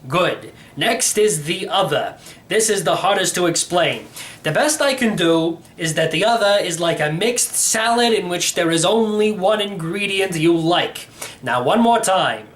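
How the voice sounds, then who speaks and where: A man's voice: high voice, lively intonation, measured pace, fairly bright tone. A man voicing an eccentric, cheerful elderly uncle in a storybook, explaining things in a rambling, matter-of-fact way. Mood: patiently explaining. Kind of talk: storybook character reading.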